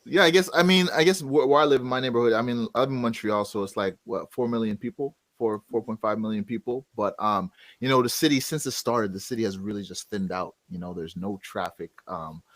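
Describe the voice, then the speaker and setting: A Canadian man with a relaxed, rambling way of talking, full of fillers and restarts, speaking as a guest musician in a casual interview. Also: lowish voice, fairly quick, hardly any pauses, dry recording.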